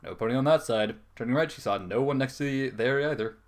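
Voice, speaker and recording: A man's voice: medium pitch, fast. A man narrating a comic story in an irreverent, theatrical, sweary manner, dropping in casual asides. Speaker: narrator reading fan fiction.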